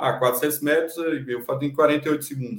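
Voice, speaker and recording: Here a man talks in a normal speaking voice at a fairly high pitch. His pace is moderate and his intonation fairly even. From Brasília satellite cities, Brazil. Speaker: running coach, former sprinter. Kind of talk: casual interview on a livestream. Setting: YouTube livestream.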